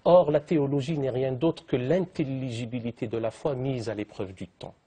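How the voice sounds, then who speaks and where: On a televised debate, a male guest speaks at medium pitch and a moderate pace, his voice mellow and husky. He is eloquent, favoring long, elaborate phrasing, rich vocabulary and piled-up synonyms.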